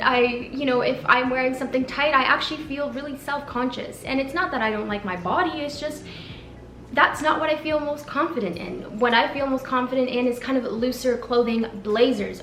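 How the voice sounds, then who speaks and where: A woman's high voice with a Canadian accent, fairly quick, with ordinary pitch variation, plus noticeable background noise and audible room echo. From Canada. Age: 20s. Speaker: fashion and lifestyle YouTuber. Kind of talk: casual Q&A vlog.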